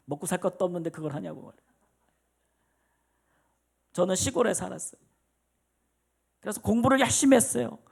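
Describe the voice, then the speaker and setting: A man's voice: sits high, expressive, brisk, creaky, pauses often, husky. A middle-aged male pastor from South Korea giving a personal testimony in a Sunday sermon, telling stories and acting out the voices in them. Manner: storytelling, acts out his mother's and his own voices. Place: church sanctuary.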